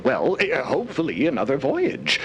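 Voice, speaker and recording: An actor playing an eager, optimistic scholar-explorer in an audio drama, with florid, formal, wonderstruck phrasing. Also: male voice, a little high, wildly swooping pitch, normal speed, fairly bright tone, faint music behind, heavily acted, rough recording. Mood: excited, hopeful. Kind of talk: audio drama acting as an interviewee.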